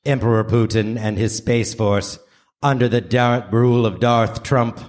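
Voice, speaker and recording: A man's voice: mid-range voice, fairly even intonation, a little slow. Male announcer-narrator, theatrical mock vintage radio delivery, live theater sound, a little noisy. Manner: theatrical, grandiose. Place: theater stage before audience.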